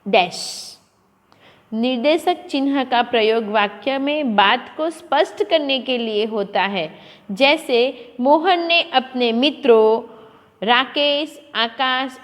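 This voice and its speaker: Speaking slowly with lively intonation, this teacher uses a fairly high voice as she patiently takes children through a school lesson. She mixes English words into her Hindi, and the recording has a long, echoing reverb.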